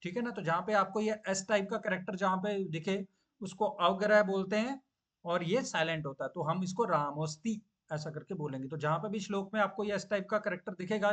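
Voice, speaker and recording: A man teaching scripture in a class, explaining patiently, with frequent drawn-out hesitation sounds and English phrases mixed in. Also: high-pitched, a bit bright. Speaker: Gita teacher. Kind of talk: online class lesson.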